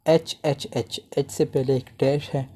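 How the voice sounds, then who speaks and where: A man teaching an online lecture in an unhurried, measured way, with a dark, mellow tone. He reads each English line off his slides and then explains it at length, circling back over the same words. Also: medium pitch, fairly even intonation. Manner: repeats words while explaining.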